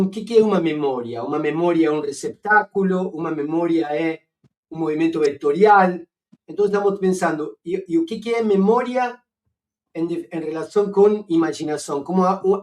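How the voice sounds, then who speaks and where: A man with an Argentine Spanish accent speaking Portuguese as a philosopher guest, explaining ideas slowly with many fillers and restarts. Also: a little high, a little mellow, distant mic. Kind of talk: academic conversation.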